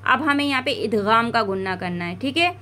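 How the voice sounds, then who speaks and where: This woman's voice is on the high side, expressive, and bright with a forceful edge as she teaches Quran recitation step by step. With a South Asian Urdu accent, she slowly draws out each word to demonstrate, then explains quickly.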